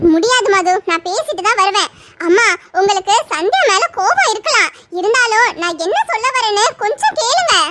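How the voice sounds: A cartoonish character voice speaks at a moderate pace. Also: woman, extremely high pitch for a woman.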